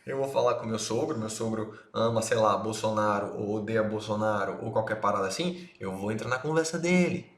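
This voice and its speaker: A man's voice: on the low side, brisk, hardly any pauses. Brazilian man teaching in an echoey room. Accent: Brazilian Portuguese. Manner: slangy, direct, talks straight to the viewer. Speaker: online marketing instructor. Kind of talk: casual recorded course lesson. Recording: echoey room, faint noise.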